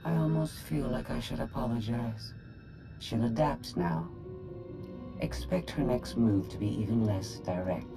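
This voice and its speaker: A woman's voice: extremely low pitch, unhurried. A woman voicing a cold, calculating female AI droid who speaks in a precise, condescending way. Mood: dry, superior. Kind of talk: video game voice acting. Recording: music bed under the dialogue.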